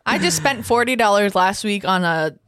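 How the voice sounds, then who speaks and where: A woman's voice: medium pitch, moderate pace, a bit bright, clear, resonant tone, no echo, clean studio sound. A woman in her thirties co-hosting a casual true crime podcast, blunt and matter-of-fact as she chimes in with her views. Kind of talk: casual chat.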